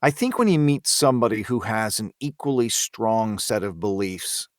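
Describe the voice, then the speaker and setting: A man with a low voice in a close, dry recording. He talks reflectively as an interview guest, feeling his way through each thought with stops and repeated words. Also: lively intonation, no echo. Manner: hesitant, thoughtful, halting delivery with repeated words.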